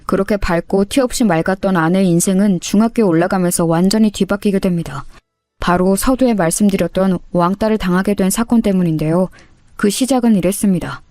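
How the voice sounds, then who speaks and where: A woman narrating a true-life story in a calm, conversational way, with faint music behind. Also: medium pitch, a little fast, no room sound, clean studio sound.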